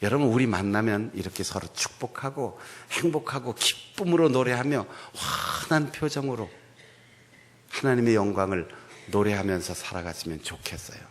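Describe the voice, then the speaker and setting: A male pastor giving a humorous, animated sermon in a church, playing with regional dialects. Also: on the low side, normal speed. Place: church sanctuary.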